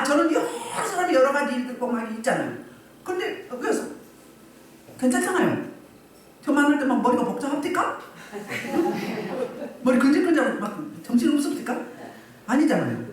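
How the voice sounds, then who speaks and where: A woman pastor preaches with insistent repetition and frequent questions to her listeners. Her pitch rises and falls widely as she presses each point. She is heard from some distance in a strongly reverberant church hall. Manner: emphatic, repeats phrases, asks the congregation questions. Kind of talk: sermon. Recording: echoey hall, mic at a distance.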